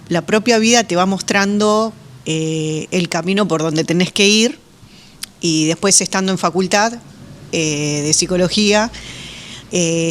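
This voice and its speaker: A woman with a Rioplatense accent answers a radio interviewer at mid pitch. She explains things patiently, often pausing on hesitant fillers as she gathers her thoughts. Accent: Rioplatense Spanish. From Uruguay, raised in Argentina. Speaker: guest, Muslim women's association representative.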